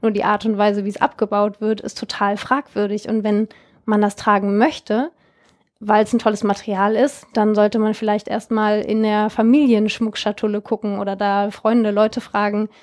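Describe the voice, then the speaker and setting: A young German woman who founded a jewelry company answers questions in a casual interview, chatting along with plenty of fillers and restarts. She has a mid-range voice, a level tone and a moderate pace.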